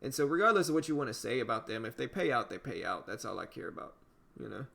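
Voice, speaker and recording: Gravelly Cajun man chatting on stream. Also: mid-range voice, fast. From Louisiana. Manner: relaxed, conversational, says "you know" a lot. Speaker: day-trading livestream host. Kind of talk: casual livestream chat reading viewer comments.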